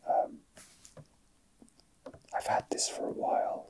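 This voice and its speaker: A man whispering softly and breathily in a casual, hesitant ASMR style, chatting and reading aloud without hurry. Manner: slow, hesitant, unhurried. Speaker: ASMR video creator. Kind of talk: whispered ASMR, casual chat with read-out facts.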